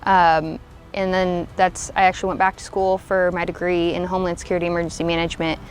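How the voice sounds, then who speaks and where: A woman's voice: fairly low pitch, flat delivery, fast talker, soft background music. Earnest woman police officer. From Washington State. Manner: earnest, sincere, with fillers. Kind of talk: recruitment video interview.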